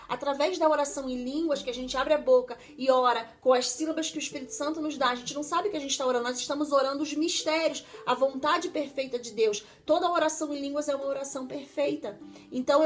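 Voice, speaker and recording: A woman delivers a devotional teaching in a notably high voice. She speaks with earnest emphasis, often breaking off and restarting her sentences. She slips into quoted prayers as she teaches. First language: Portuguese. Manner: acts out prayers and God's words in quotes.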